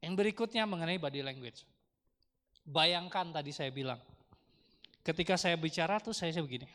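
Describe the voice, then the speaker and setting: Male speaker with an Indonesian accent, higher than typical, chatty and engaging with the room, miked in a reverberant temple hall. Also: normal speed. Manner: lively, chatty, asks the audience questions. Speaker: Dharma talk speaker. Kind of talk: casual Dharma talk to a temple congregation. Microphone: handheld microphone through speakers.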